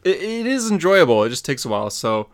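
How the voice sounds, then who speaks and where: A man's voice: on the high side, fairly quick. A young man co-hosting a podcast, chatting casually with frequent laughs and jokes. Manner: laughing, joking, relaxed. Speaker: podcast co-host and comic artist. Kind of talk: casual chat.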